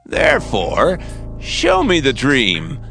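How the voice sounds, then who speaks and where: An imperious king of the ancient world in a scripture audio drama. He declaims his commands slowly and with great swings of pitch, threatening and quick to anger, while music plays clearly behind him. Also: huge pitch swings, pushed and bright, exaggerated voice. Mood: stern, threatening.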